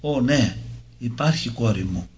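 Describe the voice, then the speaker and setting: A man's voice: medium pitch, expressive, a little mellow, natural voice. A man voicing a sorrowful, pleading old male desert hermit in a read-aloud religious story. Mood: urgent. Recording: dull lo-fi recording.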